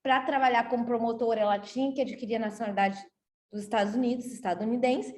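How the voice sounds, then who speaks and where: A woman's voice: fairly high pitch, fairly even intonation, fast, darkish tone, slight background noise. A woman with a Brazilian accent giving a law lecture to her class in a chatty, explanatory way, often checking in with the students. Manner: chatty and explanatory, tags sentences with "tá?". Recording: roomy echo.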